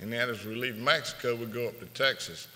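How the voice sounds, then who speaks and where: A man speaks at a medium pitch. He has a Southern US accent. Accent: Southern US drawl. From South Georgia, US. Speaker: onion farm company president. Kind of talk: conference panel talk. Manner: folksy, casual.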